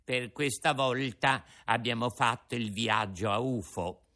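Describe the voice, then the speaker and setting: A man voicing grim black rabbit undertakers in a storybook reading, quiet and muttering. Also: medium pitch, a little slow.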